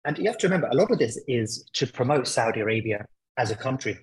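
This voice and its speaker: A man's voice: mid-range voice, expressive, quick pace, husky. A man speaking as a football pundit guest in a conversational interview, explaining his points with hesitant, searching phrasing.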